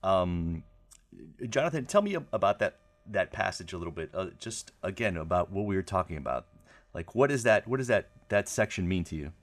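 A man's voice: low voice, sing-song, a little fast. A man hosting an interview, asking loose, rambling questions full of fillers. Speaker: interview host. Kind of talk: casual interview chat.

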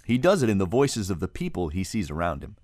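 A middle-aged man hosts a radio show from a studio. His delivery is animated in pitch and conversational, with a dry close-mic sound and the odd Spanish word. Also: fast talker, no room sound. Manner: conversational, drops in Spanish words. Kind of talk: public radio interview. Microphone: close studio microphone.

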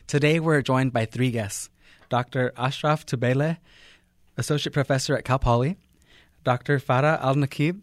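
A man hosting a radio talk program with a measured, formal delivery. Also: medium pitch, no room sound, clean studio sound. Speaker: radio host.

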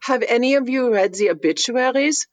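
A woman playing a dry, deadpan installation artist in a radio comedy sketch. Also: fairly high pitch, moderate pace, dry recording, lightly acted.

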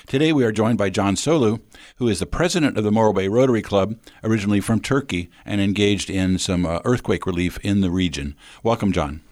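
Deep-voiced male radio interviewer. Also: a little mellow, no echo, studio quality. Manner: measured, hesitant, with fillers.

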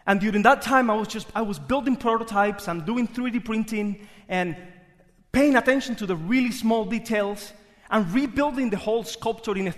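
A young man with a Cuban Spanish accent telling a personal story live on a theater stage, earnest and reflective, with bursts of excitement. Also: high voice. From Cuba. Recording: live theater with hall reverb.

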